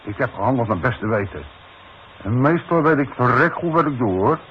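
Actor as firm, insistent foreman, mid-pitched male voice. Vintage Dutch radio drama, muffled tape. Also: expressive, moderate pace, natural voice. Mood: defensive, firm. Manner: insistent, blunt. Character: stubborn, firm foreman defending his decision. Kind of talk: 1960s Dutch radio play acting. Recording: muffled, hissy 1960s radio recording.

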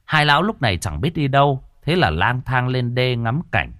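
A man's voice: mid-range voice, moderate pace, dry recording, clean studio sound. Man telling a ghost story. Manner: colloquial, lively.

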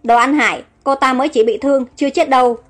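A woman's voice: sits high, fast talker, soft background music. A woman voicing a cruel, jealous princess who speaks harshly and with contempt. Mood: scornful.

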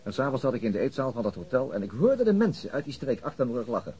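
An actor playing a weary, reticent middle-aged police detective in a naturalistic radio drama, speaking haltingly with murmured filler words. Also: male voice, medium pitch, very animated, dark tone, slightly rough, rough recording. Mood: wry storytelling.

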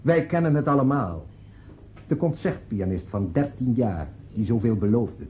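An actor in a radio play voicing a sentimental friend giving a solemn funeral eulogy, declamatory and deliberate with dramatic pauses. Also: male voice, medium pitch, lively intonation, close to an everyday voice. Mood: solemn, tender. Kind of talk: Dutch radio drama acting. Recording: dull, muffled radio play recording.

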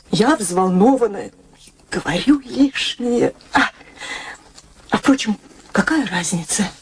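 An older woman acting in a radio drama as a devoted, self-denying daughter, speaking with halting, theatrical emotion. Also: medium pitch, a little mellow, breathy edge, full character voice. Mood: agitated confession. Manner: halting, emotional, repeats words.

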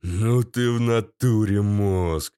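A man's voice: fairly low pitch, slow, mellow, clean tone. A man doing a dim hulking henchman. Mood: coarse. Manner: coarse slangy drawl. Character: hulking dim male henchman, coarse and mocking.

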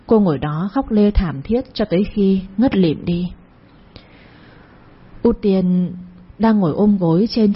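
A woman narrating a ghost story in a steady, dramatic storytelling manner. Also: medium pitch, slightly rough, lo-fi sound.

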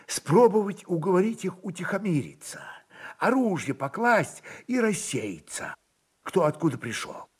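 A man playing a worried, cautious government clerk who reasons in measured, folksy phrases. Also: high-pitched, husky, voice pushed up, heavily acted.

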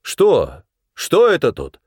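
A man voicing a gruff, stern postal supervisor. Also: fairly high pitch, wildly swooping pitch, takes it slowly, a little mellow, no echo, studio quality, voice pushed up, full character voice.

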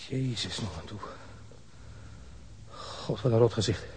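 An actor plays a queasy robber in a radio drama. He mutters in a fairly low male voice, full of disgust. The recording carries faint noise. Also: unhurried, a little mellow, lightly acted. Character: queasy, disgusted robber brought to view a corpse.

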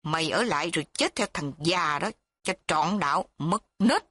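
A woman's voice: medium pitch, expressive, moderate pace, a bit bright, no echo. A woman doing a harsh scheming old father. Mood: cursing. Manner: gruff, scolding.

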